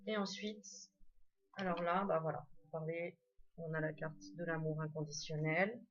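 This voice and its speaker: A woman's voice: low-pitched, steady tone, moderate pace, lo-fi sound. A woman casually showing her tarot and oracle card decks, chatty, with many fillers and restarts. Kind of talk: casual show-and-tell.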